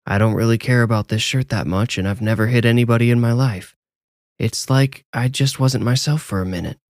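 A man's voice: medium pitch, brisk, no room sound, clean studio sound, pitched above the performer's own voice, lightly acted. A man voicing a hot-tempered teenage girl who turns sarcastic and aggressive. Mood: uneasy. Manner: sharp, sarcastic, yelling.

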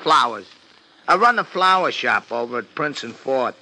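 An actor playing an anxious, weepy, lowbrow New York florist in a 1950s radio drama, talking in slangy, ungrammatical street talk. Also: male voice, expressive, normal speed, gravelly, bright, forceful tone, full character voice, rough recording. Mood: earnest, slangy. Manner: slangy tough-guy street talk with mangled grammar.

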